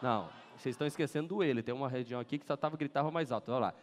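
A Brazilian man preaching a lively sermon as pastor, acting out scenes and leading the congregation to read aloud together. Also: medium pitch, rapid-fire, a little hiss or hum. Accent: Brazilian Portuguese. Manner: animated, acts out scenes and leads congregation in shouting. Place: large church hall. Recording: long church hall reverb.

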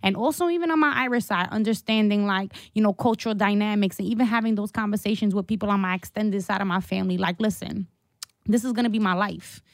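A woman's voice: mid-range voice, fast talker, no echo, clean studio sound. A young adult woman speaking as an activist guest in a casual interview, passionate and emphatic, with slang and swearing.

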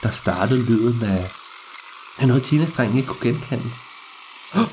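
A man telling a story to listeners in a lively, meandering way, with hesitations and repeats. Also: medium pitch, background noise.

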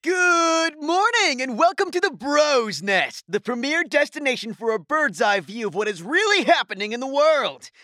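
A man playing a brash, excitable bro conspiracy podcaster delivering bombastic, over-the-top monologues in an audio drama. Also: very high voice, normal speed, few pauses, no echo, clean studio sound, heavily acted. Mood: showy.

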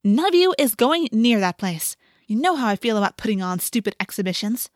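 A woman's voice: medium pitch, quick pace, no room sound, clean studio sound, lightly acted. A woman voicing a feisty, headstrong teenage girl in an audiobook, with a snappy, emphatic delivery. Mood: indignant.

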